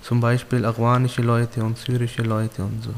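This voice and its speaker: In an interview, a young adult Urdu speaker from Pakistan responds in simple learner's German, halting and full of pauses. His mid-range voice is delivered completely flat. There's a long reverb tail and a little hiss or hum.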